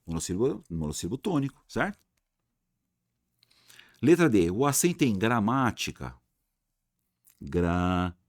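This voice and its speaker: Lively Brazilian man drilling grammar. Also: lowish voice, measured pace, long pauses, no echo, studio quality. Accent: Brazilian Portuguese. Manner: lively, colloquial, repeats words to drill them; talks to students directly, asks and answers own questions. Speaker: Portuguese teacher for exam prep. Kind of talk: online grammar lesson.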